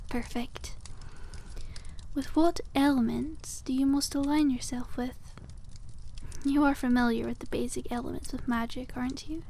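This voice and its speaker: A woman voicing a cute, kindly witch shopkeeper in an ASMR roleplay, speaking softly and teasingly with old-fashioned courtesy. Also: high-pitched, fairly even intonation, moderate pace, slight background noise. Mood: gentle, attentive. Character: cute, coy, kindly witch selling dragon eggs. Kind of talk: ASMR roleplay, scripted and addressed to listener.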